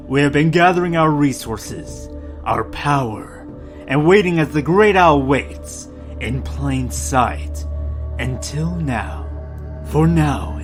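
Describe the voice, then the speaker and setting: A man acting a sinister, grandiose elder of a secret cult in a radio drama, solemn, incantatory and menacing. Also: fairly high pitch. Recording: music under the voice.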